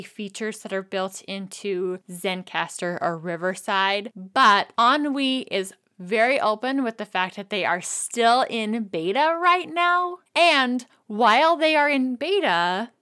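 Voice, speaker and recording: A woman's voice: mid-range voice, fairly bright tone, clear, resonant tone. Upbeat woman podcast host. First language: not French. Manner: upbeat, explanatory. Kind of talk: casual tech podcast chat.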